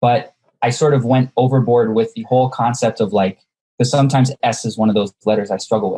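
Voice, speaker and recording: In a dry, close sound with no echo, a somewhat breathy man speaks very fast at a medium pitch with fairly even intonation. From Canada, Markham near Toronto. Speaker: rapper and actor. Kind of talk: podcast interview. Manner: halting, occasional blocks and repeats.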